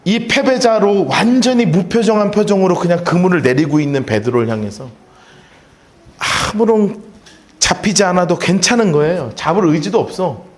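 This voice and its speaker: A male pastor delivers a sermon in a fairly high voice that rises and falls a great deal. He moves between loud emphasis and hushed storytelling, and he leads the congregation in repeating phrases. The sanctuary gives his voice a roomy echo. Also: expressive, normal speed. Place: church sanctuary. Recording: echoey church sanctuary.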